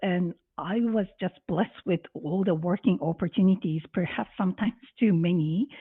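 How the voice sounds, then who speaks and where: A woman's medium-pitched voice with a Japanese accent, moderate pace and ordinary pitch variation. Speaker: corporate lawyer. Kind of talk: interview.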